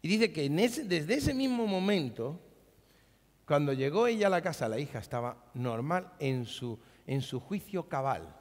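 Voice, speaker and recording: A male pastor preaching a sermon in a church, animated and dramatic, acting out scenes as he speaks. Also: a little high, moderate pace. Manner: animated preaching, acts out biblical dialogue. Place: church hall. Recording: long reverb of a large hall.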